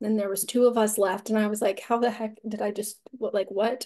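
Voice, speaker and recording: In a monotone with flat intonation, a woman speaks in a dark, mellow tone against a quiet background. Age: 20s. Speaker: coaching client. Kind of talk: testimony. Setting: video call. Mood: candid, reflective. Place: home room. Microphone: video call.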